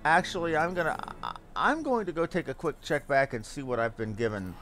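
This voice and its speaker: A man's voice: fairly high pitch, animated, fairly quick, a bit bright, faint music behind. A man giving casual commentary as he streams a game, sometimes muttering to himself.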